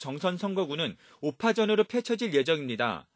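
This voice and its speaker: A man at a moderate pace, lively intonation, dry, close sound with no echo. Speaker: news reporter. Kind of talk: news reading. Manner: formal.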